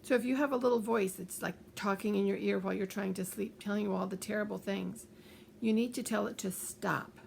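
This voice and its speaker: Older woman, gravelly edge, gentle advice talk, faint hiss behind. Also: medium pitch, steady tone, fairly quick. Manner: gentle, repeats reassuring phrases. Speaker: author giving coping advice. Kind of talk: calm advice talk to camera.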